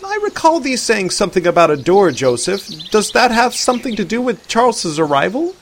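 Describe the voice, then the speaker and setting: A jovial man who speaks in mock-archaic English, as a narrator puts him on. He talks high and loud, with lively swings in pitch. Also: fairly quick, slight background noise. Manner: mock-archaic speech, laughing.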